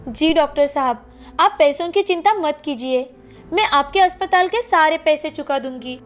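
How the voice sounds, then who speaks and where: Woman playing a earnest devoted cartoon wife, high voice, soft music. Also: expressive, normal speed. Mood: pleading. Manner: pleading, earnest. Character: devoted, determined young village wife.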